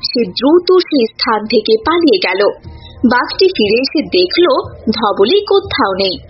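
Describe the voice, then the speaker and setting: Woman telling a cartoon story, really lively intonation, music under her, bit muffled. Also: high voice, normal speed. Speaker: narrator. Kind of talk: scripted storytelling narration for a cartoon.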